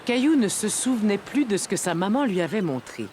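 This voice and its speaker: A woman giving calm, explanatory scripted narration for a children's cartoon. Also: medium pitch, fairly quick, slight background noise.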